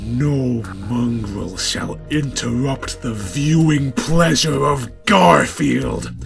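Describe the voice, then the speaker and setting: A man's voice: mid-range voice, slow, gravelly, faint music behind, voice pushed up. A man voicing an imperious, wrathful cartoon cat in a commanding, contemptuous and pompous manner for a story.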